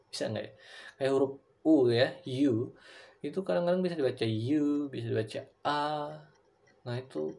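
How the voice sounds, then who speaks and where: A young Indonesian-accented man teaching in a relaxed, conversational way. He answers students' questions one by one, mixing English and Indonesian and filling pauses with "uh" and "apa namanya". His voice sits at an ordinary middle pitch for a man. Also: gravelly. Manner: switches between English and Indonesian, many fillers. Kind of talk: casual recorded lesson answering student questions.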